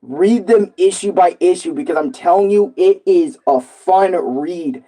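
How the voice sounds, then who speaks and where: A man rambling casually and excitably on a live stream, full of slang and repeating himself. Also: high voice, unhurried. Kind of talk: casual, rambling live stream chat about comics and games.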